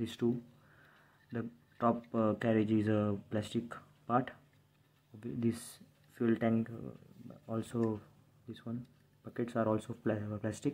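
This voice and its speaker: A man speaks very slowly in a monotone, flat intonation, with long, frequent pauses. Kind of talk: unboxing commentary. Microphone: phone near.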